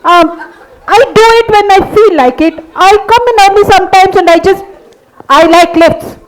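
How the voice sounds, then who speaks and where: An odd, polite but stubborn woman as acted by a woman in a comic stage play. Her voice is extremely high, and she talks in a hesitant, defensive way. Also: normal speed, a little hiss or hum, poor audio. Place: live stage at a literature festival.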